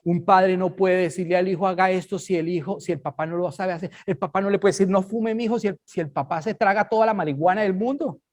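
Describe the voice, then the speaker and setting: A man's voice: high voice, fast talker, few pauses, darkish tone. A man preaching a Bible study, emphatic and conversational, often checking that listeners understand.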